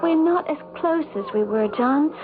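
An actress playing an anxious, probing wife in a radio drama, nervous, pleading and stammering. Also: female voice, high-pitched, animated, normal speed. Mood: earnest, troubled. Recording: tinny noisy old radio broadcast.

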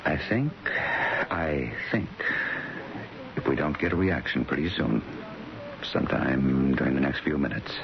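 A grave doctor with an extremely deep, gravelly voice. He speaks tersely and guardedly in a muffled old radio play. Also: lively intonation, a little slow, crowd noise, full character voice. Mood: grave, resigned. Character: grave, steady doctor at a deathbed. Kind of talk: 1970s radio drama acting. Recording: dull old radio drama recording.

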